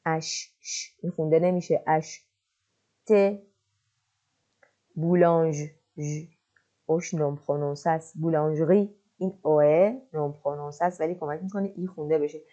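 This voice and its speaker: A woman teaching French, patiently explaining and slowly reading French example sentences. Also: deep voice, fairly even intonation, warm tone, muffled recording. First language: Persian. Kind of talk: online language lesson.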